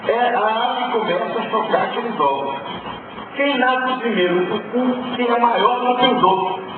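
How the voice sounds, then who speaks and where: A provocative male lecturer with a fairly high voice, pressing his students with emphatic rhetorical questions. He is heard from far off in a big hall with a long, heavy echo, through a thin, phone-like recording with loud ambience behind him. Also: unhurried, heavy background noise. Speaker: teacher. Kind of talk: spiritual lecture to a class.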